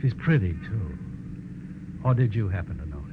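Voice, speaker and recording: A seasoned, avuncular American lawman with a lively swing in his mid-pitched voice. He is folksy and wry in vintage radio drama style, on a muffled, noisy old recording. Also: normal speed. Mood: wry, paternal. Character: seasoned lawman, paternal, folksy, slyly good-humored. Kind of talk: 1940s radio detective acting.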